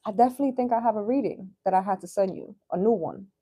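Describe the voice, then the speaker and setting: Female, 30s, livestream tarot reader. Warm, relaxed tone, mid pitch, informal slangy chat. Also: fast, breathy edge. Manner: slangy, chatty, with swearing. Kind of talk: casual live chat and tarot reading.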